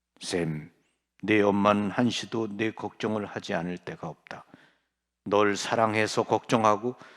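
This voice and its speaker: In an ordinary speaking voice, a man talks at a fairly slow pace in a fairly low pitch with fairly even intonation, the sound dry and close with no echo on a very clean recording with a silent background. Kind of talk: reading aloud.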